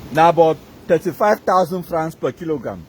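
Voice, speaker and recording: A man's voice: on the high side, expressive, normal speed, a little mellow, a little hiss or hum. A Cameroonian man with a Cameroonian accent, giving an emphatic, repetitive live-stream rant that mixes pidgin and English.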